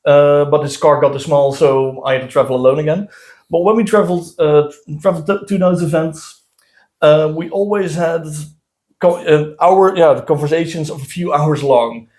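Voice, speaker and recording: Halting Dutch-speaking man, somewhat high voice. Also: darkish tone. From southern Netherlands. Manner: halting, many filler sounds and restarts. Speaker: podcast co-host. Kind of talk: casual chat.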